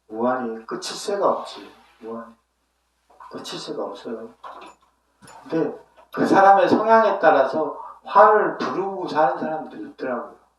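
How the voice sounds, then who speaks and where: At a moderate pace and fairly high pitch, a man's voice makes very wide pitch swings and big swings in loudness, broken by long, frequent pauses, with audible room echo around it. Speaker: Buddhist monk. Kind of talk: dharma talk. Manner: casual, conversational.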